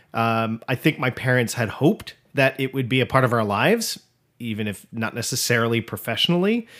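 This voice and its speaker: Heard in a very clean recording with a silent background, a man with an American accent has a plain, everyday voice, medium pitch, ordinary pitch variation and a fairly quick pace. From northern New Jersey, US. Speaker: music teacher and podcast co-host. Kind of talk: casual interview chat.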